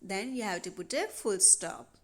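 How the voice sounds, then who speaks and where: A woman's voice: medium pitch, lively intonation, normal speed. A woman teaching a grammar lesson over a worksheet, patiently repeating instructions to students. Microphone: voice-over on handwritten worksheet video.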